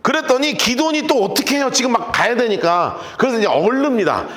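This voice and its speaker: A male pastor preaching with a high voice and a swooping, expressive pitch. He talks to his congregation in a joking, conversational way and keeps telling them what to write down. The delivery is animated throughout. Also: fast. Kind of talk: sermon with Bible study notes.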